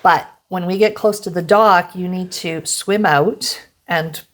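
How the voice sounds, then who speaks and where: A woman in her fifties chatting casually as a guest, telling a family story with lively voice changes for the people she quotes. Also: unhurried. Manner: animated, acts out quoted dialogue with big pitch jumps and laughs. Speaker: guest, mother of the host.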